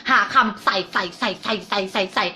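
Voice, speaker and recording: Bright-voiced blunt woman teacher. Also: normal speed, slight background noise. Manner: blunt, coarse slang, repeats polite particles. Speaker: self-help teacher. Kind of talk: motivational talk to students.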